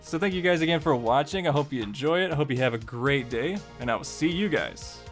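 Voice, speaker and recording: A man's voice: a little high, animated, fairly quick, soft background music. A man hosting a tutorial in a casual, conversational way, informal and repeating phrases for emphasis. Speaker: host of a tutorial series. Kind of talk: casual, conversational writing lesson.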